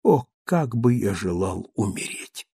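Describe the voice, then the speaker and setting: A man voicing an anguished older ex-convict who pleads in a hushed, halting voice. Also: medium pitch, creaky, husky, no echo, clean studio sound.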